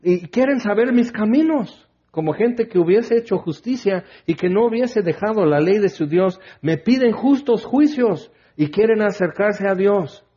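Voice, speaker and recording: A man's voice: high voice, expressive, measured pace, hardly any pauses, warm tone, husky. A man preaching a conversational sermon. He reads scripture aloud and keeps checking in with his listeners through questions. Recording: dull lo-fi recording.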